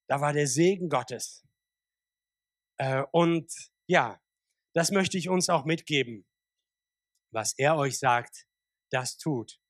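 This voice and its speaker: A man's voice: on the high side, dry recording, clean studio sound. A man in his forties, a pastor born in Kazakhstan, preaching a sermon in a conversational way with frequent fillers and restarts. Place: church service.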